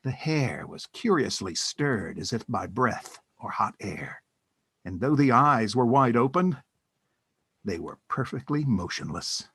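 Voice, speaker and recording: A man narrating a scripted story for an audio drama in a theatrical, deliberate storytelling manner. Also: mid-range voice, big pitch swings, a bit bright, husky, no room sound.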